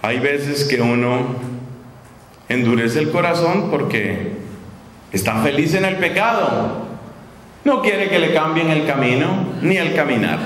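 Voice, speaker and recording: A man gives a lively sermon as a friar to a community of sisters. His voice sits a bit high and rings through a hall with a long, echoing reverb. Faint ambient noise hangs in the background. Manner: animated, acts out little scenes with voices; conversational, asks listeners questions. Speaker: friar preaching to nuns. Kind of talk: radio sermon.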